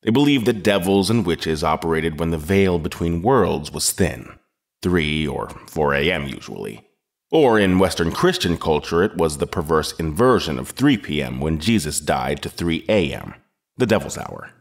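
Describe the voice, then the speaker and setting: A composed horror writer in an audio drama interview. His voice is deep, his delivery measured and pedantic, with a slightly superior air. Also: lively intonation. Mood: composed, polite. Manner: measured, precise, faintly superior. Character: composed, pedantic male horror novelist under questioning.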